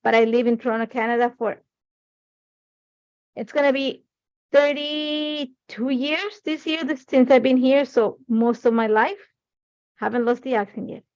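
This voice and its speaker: Chatty Ecuadorian woman, gravelly voice. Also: high-pitched, a little slow, pauses often, darkish tone. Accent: Ecuadorian Spanish. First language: Spanish. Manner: chatty, thinks aloud while working. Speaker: crafting host. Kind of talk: live crafting demonstration. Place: crafting desk, overhead camera. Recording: dull lo-fi stream audio.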